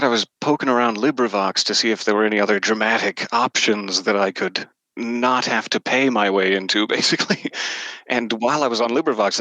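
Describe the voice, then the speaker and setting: Dry recording of a middle-aged man, fairly low in pitch, with a bright and forceful tone. Appearing as a podcast guest, he tells anecdotes casually, poking wry fun at himself.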